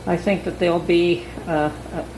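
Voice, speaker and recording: A middle-aged woman talks through her baking and her thoughts in a calm, unhurried way, pausing now and then. Her low voice has a gravelly edge. The recording was made in an echoey home kitchen, with clear background noise. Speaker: homestead channel host. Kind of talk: casual kitchen vlog chat.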